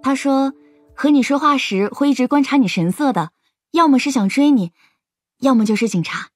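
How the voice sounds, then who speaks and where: A woman's voice: high voice, expressive, moderate pace, no room sound, studio quality. A woman playing a candid, observant teenage shopgirl in an audio drama. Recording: music behind the voice.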